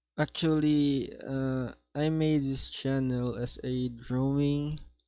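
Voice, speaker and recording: With a non-native accent, a man speaks at a medium pitch in a dark, mellow tone with monotone, flat intonation. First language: not English. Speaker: drawing streamer. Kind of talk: casual livestream commentary while drawing. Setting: livestream. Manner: halting.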